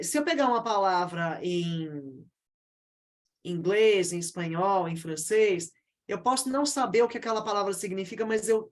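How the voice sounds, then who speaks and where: A woman teaching an informal online art history class, often hesitating and repeating words as she thinks. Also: mid-range voice.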